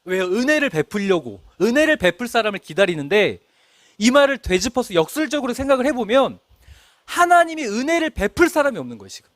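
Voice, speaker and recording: A man's voice: very high-pitched, very animated, fast talker, fairly bright tone, no echo, clean studio sound. A middle-aged male pastor preaching a sermon, telling a story and asking the congregation questions. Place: church.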